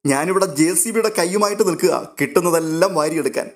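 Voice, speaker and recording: A man's voice: high-pitched, fairly quick, pitched above the performer's own voice, lightly acted. A man voicing a playful, bossy young woman who scolds in a mock-stern way, in a read-aloud novel.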